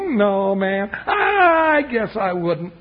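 A comic, good-natured cowboy sidekick in an old radio western. His very high, cracked voice is wheezy and raspy, drawling slowly through folksy, grumbling protests. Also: big pitch swings, heavily acted. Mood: playful protest. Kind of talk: 1950s western radio drama acting. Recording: dull vintage radio transcription.

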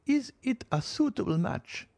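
A man's voice: very high voice, very animated, measured pace, vocal fry, darkish tone, no echo, voice pushed up, heavily acted. A man reading an audiobook, voicing a frail, commanding old marchioness who talks feverishly of death. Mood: imperious, feverish.

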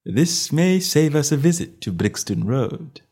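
A man voicing a calm, self-assured male detective with a bland, measured manner. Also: fairly high pitch, breathy edge, voice pushed up, exaggerated voice.

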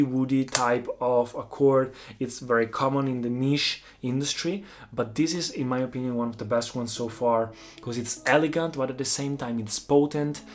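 A man in his twenties from Italy with an Italian accent, native Italian speaker, reviewing fragrances in English in a casual, enthusiastic, emphatic way. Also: medium pitch. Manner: enthusiastic, emphatic, drawn-out phrasing.

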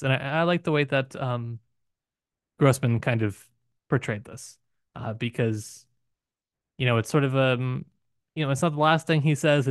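A man with a mid-pitched voice muses through a casual literary discussion as a podcast co-host. He feels his way haltingly through ideas and often turns them into rhetorical questions. The sound is dry, with very little room in it. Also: dry recording. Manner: musing, poses rhetorical questions, halting with filler phrases.

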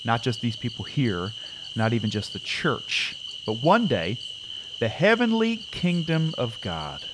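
Earnest Southern camp preacher, acted by a man, animated delivery. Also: mid-range voice, a little slow, background noise. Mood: folksy, earnest. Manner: folksy, solemn, declarative. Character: earnest male camp preacher leading a baptism. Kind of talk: audio drama acting, sermon-like address.

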